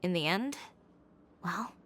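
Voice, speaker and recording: A woman playing a composed, determined young fashion designer in a video game, speaking in a measured way. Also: on the low side, lively intonation, a bit bright, a little hiss or hum. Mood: reflective. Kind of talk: video game voice acting, storytelling. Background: game music.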